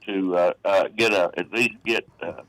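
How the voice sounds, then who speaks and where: A man with a Southern accent calling a radio show, speaking haltingly with many restarts and fillers. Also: low voice, fairly bright tone, low-quality recording. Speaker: caller. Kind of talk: phone-in chat.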